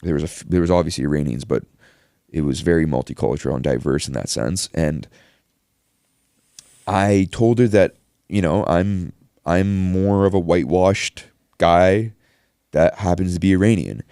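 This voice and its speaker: A young man raised in Canada, telling stories in a relaxed podcast chat. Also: deep voice, normal speed, no room sound, clean studio sound. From Iran, raised in Canada. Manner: relaxed, storytelling, with fillers. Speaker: podcast host.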